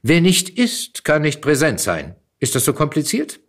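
A man acts out a proud old poet from beyond the grave in a storybook reading. He lectures emphatically and declaims, his pitch raised and swinging widely with each insistent point. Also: wildly swooping pitch, moderate pace, a bit bright, exaggerated voice. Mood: insistent, impatient. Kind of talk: dramatic literary reading.

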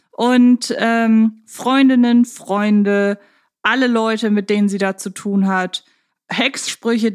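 Female podcast host, mid-pitched voice, relaxed conversational delivery with a humorous touch. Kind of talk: casual humorous podcast chat.

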